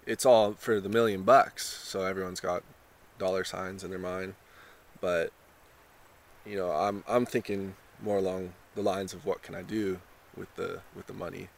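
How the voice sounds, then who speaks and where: A young man talking in a relaxed surfer way, full of "you know" and "like", in a casual interview. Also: deep voice, moderate pace, vocal fry. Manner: laid-back surfer talk, lots of "you know" and "like". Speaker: contestant being interviewed.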